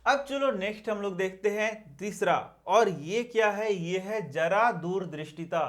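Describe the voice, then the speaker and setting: A man's voice: sits high, measured pace. A man teaching a science lesson, asking questions and answering them himself. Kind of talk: Hindi classroom lesson.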